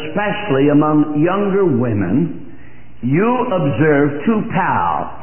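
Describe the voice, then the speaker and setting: Older male preacher, slow emphatic delivery, lively pitch, tinny old hall recording. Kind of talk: sermon.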